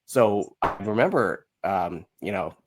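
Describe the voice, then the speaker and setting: A man with a fairly low voice talks candidly as an interview guest. He tells stories casually, is blunt and pokes fun at himself, and voices the remarks he quotes. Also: lively intonation, unhurried, noisy background. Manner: blunt, self-mocking, acts out quoted remarks. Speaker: podcast guest.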